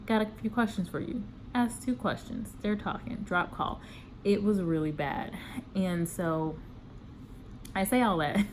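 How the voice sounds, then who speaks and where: A woman's voice: deep voice, background noise. A woman recruiter talking casually to viewers in a conversational vlog style, offering practical career advice. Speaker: corporate recruiter giving job interview advice.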